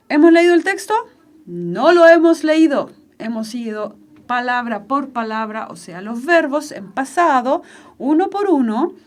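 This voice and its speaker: A woman teacher with a Chilean Spanish accent giving an online English class, slow and patient, repeating each word for the students. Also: high voice.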